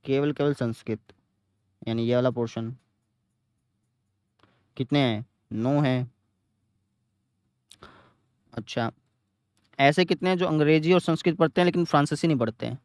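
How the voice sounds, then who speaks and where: A man's voice: on the high side, moderate pace, long pauses, clear, resonant tone, no echo, studio quality. A young man teaching a math lesson, repeating each step and answering his own questions, with a north Indian Hindi accent. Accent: Hindi-speaking north India. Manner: repetitive, explains step by step, asks questions and answers himself.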